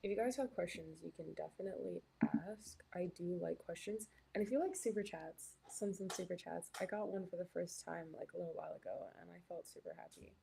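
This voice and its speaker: A woman's voice: lowish voice, brisk, creaky, few pauses, dark tone, a little hiss or hum, poor audio. A young woman from Canada, chatting casually as a live stream host while reading her chat, with lots of "like" and "um". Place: hotel room.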